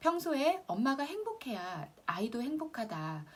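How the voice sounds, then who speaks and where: The woman's tone is calm and gentle, and somewhat breathy. She moves at a moderate pace with very wide pitch swings. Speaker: psychological counselor. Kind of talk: talk to camera advice. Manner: calm, gentle.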